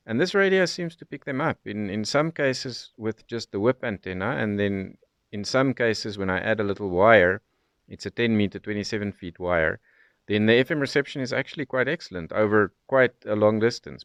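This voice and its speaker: A South African man giving an unscripted, explanatory product review and demonstration in a measured way. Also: lowish voice, clear, resonant tone, dry recording. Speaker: radio reviewer.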